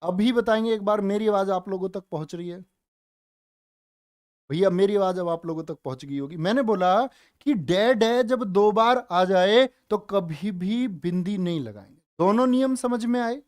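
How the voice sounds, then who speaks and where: A man's voice: sits high, moderate pace, a little mellow, dry recording, clean studio sound. A man teaching a grammar class online, coaxing and repeating questions to his students. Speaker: Hindi teacher.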